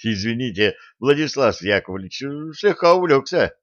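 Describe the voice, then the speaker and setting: A man's voice: medium pitch, very animated, moderate pace, no echo, natural voice. A sheepish young martial arts student speaks in a subdued, mumbling way, voiced by a male reader. The recording is dry and a bit dull.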